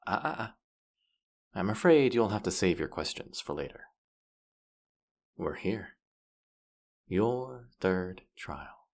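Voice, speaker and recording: A man's voice: fairly low pitch, animated, slow, gravelly, pauses often, darkish tone, heavily acted. A man playing a playful, boastful demon guide to the afterlife in a roleplay audio drama, with a smug, teasing, theatrical delivery. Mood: mock solemn.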